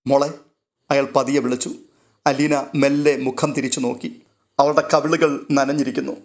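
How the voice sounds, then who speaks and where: A man narrating a serial novel in a measured storytelling voice. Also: medium pitch, little pitch movement.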